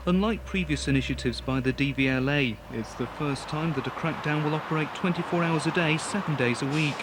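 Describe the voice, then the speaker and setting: A man's voice: fairly high pitch, fairly quick. A man delivering a scripted news report in a formal, factual way. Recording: clear outdoor traffic noise behind. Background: street and vehicle noise.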